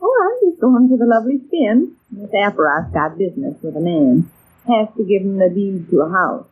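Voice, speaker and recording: A woman's voice: mid-range voice, very animated, normal speed, husky. An American actress playing a bustling, mildly exasperated middle-aged housewife and mother in an old-time radio comedy serial, chatty and folksy. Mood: busy, chatty. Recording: muffled, noisy old radio recording.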